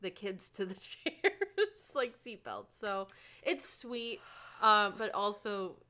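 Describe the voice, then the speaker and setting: A woman's voice: mid-range voice, takes it slowly. A young adult woman co-hosting a podcast, chatting casually and laughing often as she recaps a cartoon episode. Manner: giggly, animated, frequent laughter. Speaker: podcast co-host.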